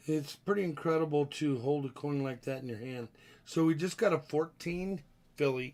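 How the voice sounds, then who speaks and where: Pitch shifts in an ordinary way in a normal speaking voice that keeps a moderate pace. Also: man, fairly high pitch for a man. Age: 50s. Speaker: coin collector streamer. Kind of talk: live stream chat. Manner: casual.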